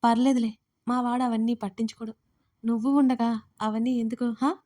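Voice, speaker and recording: A woman's voice: fairly high pitch, fairly even intonation, a little fast, dark tone, close to an everyday voice. A woman voicing a playful young woman who teases her sister-in-law in an audio story. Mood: teasing. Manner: teasing, mock-dramatic.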